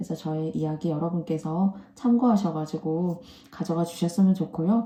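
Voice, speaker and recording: Soft-spoken and fairly low in pitch, a woman talks at a moderate pace with ordinary pitch variation. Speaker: tarot reader. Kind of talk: tarot reading. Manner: polite, formal.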